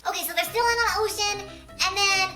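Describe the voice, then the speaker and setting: High, squeaky helium-voiced woman, excitable storyteller. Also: brisk. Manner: excitable, girlish storytelling full of "like". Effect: squeaky helium-altered voice. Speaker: video host. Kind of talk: casual, rambling movie retelling for a challenge video. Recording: echoey room.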